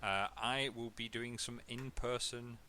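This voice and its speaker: A man's voice: mid-range voice, fairly even intonation, a little slow, bright, forceful tone, slight background noise. A man co-hosting a gaming podcast in casual chat, with dry teasing humour. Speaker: podcast co-host.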